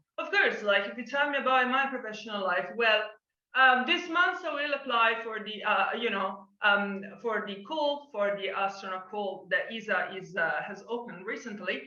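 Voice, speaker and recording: A woman's fairly high voice with lively intonation at a moderate pace, carrying audible room echo. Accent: Italian. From Italy. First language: Italian. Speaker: space engineer and scientist. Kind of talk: interview. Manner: halting, many fillers and restarts.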